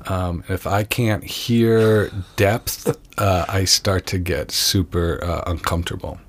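Very low-voiced man telling stories. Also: slow pace. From Connecticut, USA. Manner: relaxed, rambling with many fillers and restarts. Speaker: guest. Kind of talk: casual storytelling interview. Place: trailer with wind and flags outside.

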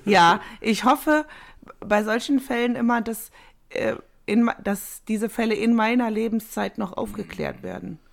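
A woman with a creaky voice co-hosting a casual conversation about a crime case. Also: a little high, a little slow. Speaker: podcast co-host.

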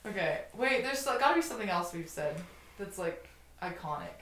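Canadian woman guest, playful and giggly, bright tone in an echoey room. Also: lowish voice, lively intonation. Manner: playful, giggly, quick jokes. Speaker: podcast guest. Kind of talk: casual chat.

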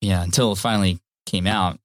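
Deep-voiced male podcast host. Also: fairly even intonation, brisk, dry recording, studio quality. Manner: brief encouraging prompts. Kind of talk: casual interview.

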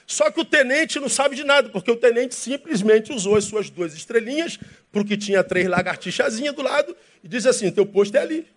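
Husky-voiced pastor spinning a lively story. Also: male voice, very high-pitched, brisk. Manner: animated storyteller acting out both sides of a dialogue. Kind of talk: sermon told as an anecdote.

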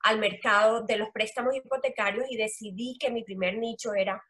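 A middle-aged woman from Colombia with a strong Caribbean coast accent, explaining her work as a loan officer in an interview, earnest and filling pauses with "eh". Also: on the high side, steady tone, a bit bright. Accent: Colombian Caribbean coast Spanish. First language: Spanish. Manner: earnest, explanatory, with frequent "eh" fillers. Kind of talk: interview answers.

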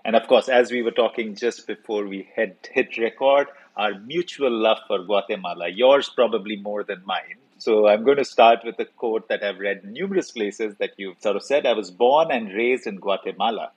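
A man's voice: on the low side, moderate pace, hardly any pauses, husky, muffled recording. A man hosting a podcast, reading an upbeat introduction and then asking enthusiastic interview questions. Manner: warm greeting, upbeat and enthusiastic. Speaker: podcast host.

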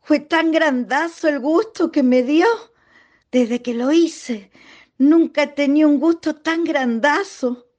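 A tender, proud country ghost woman acted by a woman in a radio play. She has a high voice and speaks very slowly, with sentimental, folksy phrasing and a Chilean accent. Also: a little mellow. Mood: wistful farewell. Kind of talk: radio drama acting.

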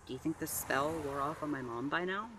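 A woman playing an anxious, soft-hearted young driver in an audio drama, with a hesitant, stammering delivery. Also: low-pitched, a little fast, noisy background, natural voice.

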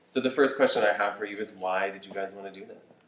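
A man's voice: fairly low pitch, quick pace, echoey room, recorded from a distance. A man hosting and moderating a panel discussion, encouraging the guests with frequent "mm-hmm" and "yeah". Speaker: podcast host and moderator.

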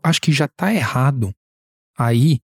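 A man's voice: mid-range voice, lively intonation, unhurried, darkish tone, slightly rough, no echo, studio quality. A man hosting an interview who asks long, thoughtful questions and chats with his guest. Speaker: interview host.

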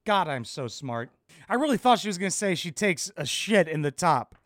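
Sarcastic high-voiced man mocking a TV clip. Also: very animated, moderate pace, fairly bright tone, no room sound, studio quality. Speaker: podcast host reacting to a TV clip. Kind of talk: casual reaction commentary.

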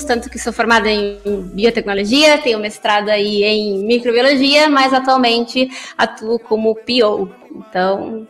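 A young woman from Colombia, a guest on a podcast, answering in a candid, casual way with quick bursts of speech and laughs at herself. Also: fairly high pitch. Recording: long hall reverb with faint music.

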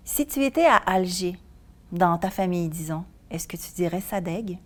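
A woman hosting an interview, asking friendly, measured questions. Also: lowish voice, lively intonation. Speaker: host.

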